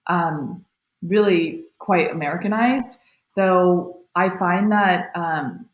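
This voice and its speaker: A woman's voice: deep voice, echoey room, rough recording. A young woman from Taiwan, a nonprofit founder, talking reflectively as a podcast guest with many fillers. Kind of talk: podcast interview.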